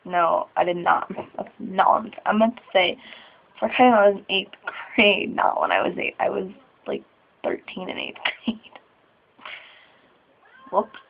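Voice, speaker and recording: A nervous 21-year-old trans man speaking haltingly in a personal vlog, sighing and laughing between thoughts. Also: high-pitched, wildly swooping pitch, vocal fry, slight background noise. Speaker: vlogger. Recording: tinny phone-like sound.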